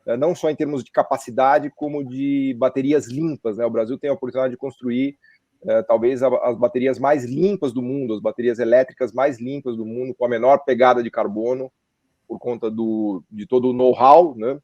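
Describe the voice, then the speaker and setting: A man's voice: mid-range voice, steady tone, fairly quick, a little mellow, no echo. A man hosting a podcast interview, talking in a conversational way and often adding tag questions. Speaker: podcast host. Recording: dry, dull lo-fi sound.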